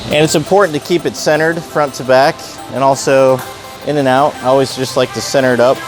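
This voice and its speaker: A man's voice: mid-range voice, fairly even intonation, brisk, over music, rough recording. A man presenting a product tutorial in an informal, plain-spoken, unscripted way, as someone who works hands-on in a shop. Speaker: race car builder presenting a product tutorial. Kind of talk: casual hands-on product demonstration.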